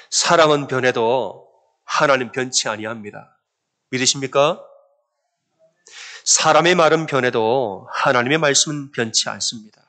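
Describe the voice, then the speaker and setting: A man's voice: mid-range voice, bright, forceful tone. A man preaching a Sunday sermon as a pastor, telling a story and acting out the quoted speech with emphasis. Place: church sanctuary.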